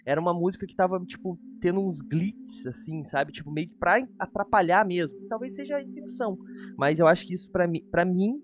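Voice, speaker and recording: A Brazilian man chatting casually as co-host of a review show, informal and rambling. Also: high voice. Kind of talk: casual spoken review chat. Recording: dull, lo-fi audio. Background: music.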